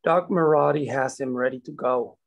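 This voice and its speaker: A man reading the part of a coal company man who threatens a woman in a smooth, condescending way at a script table read. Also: medium pitch, moderate pace, lightly acted. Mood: cold.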